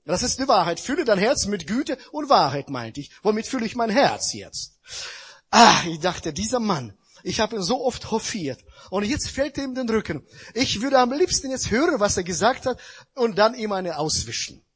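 A man's voice: high-pitched, very animated, normal speed, a bit bright, husky. A man preaching a sermon, speaking emphatically and addressing the congregation directly.

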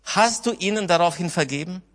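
In a big-room sound, a man with a high, fairly bright voice preaches a little fast. He earnestly retells scripture with quoted dialogue and puts questions to the congregation.

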